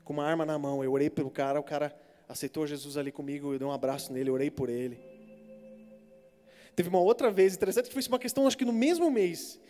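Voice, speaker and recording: A young man from preaching a sermon to a congregation, telling stories animatedly and acting out the voices, swinging between loud exhortation and hushed asides. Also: on the high side, fast talker. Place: church hall. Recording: reverberant church hall with faint music.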